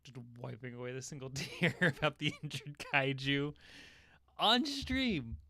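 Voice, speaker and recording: A man's voice: medium pitch, flat delivery, normal speed, bright, forceful tone, no echo. A man streaming a casual watch-along, joking, laughing often and getting emotional over the film. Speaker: streamer hosting a watch party.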